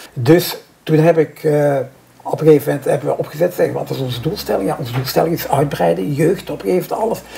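A man at a very fast pace. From Netherlands, West Brabant; Netherlands. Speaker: cycling club founder; interviewee. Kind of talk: interview. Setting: in a bar. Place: home room.

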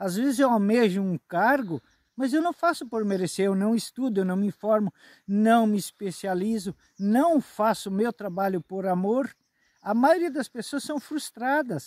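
A man talks at a fairly slow pace in a high voice with lively intonation. The sound is dry with no echo, and the background is quiet. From southwestern Paraná, Brazil. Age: 50s. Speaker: retired firefighter and smallholder; rural host showing old farm tools. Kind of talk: casual interview and show-and-tell tour.

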